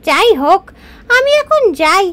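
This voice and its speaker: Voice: very high voice, very animated, measured pace, bright, forceful tone, exaggerated voice. A performer voicing a boastful, overconfident hare in a children's cartoon, talking in a smug, mocking way. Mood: complacent. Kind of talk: children's moral-story cartoon dialogue.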